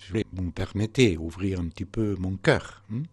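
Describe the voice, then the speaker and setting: Older Argentine priest telling a story. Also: male voice, sits low, slightly rough. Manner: halting, with many fillers and restarts. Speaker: priest, former shrine rector. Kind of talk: radio interview, personal storytelling.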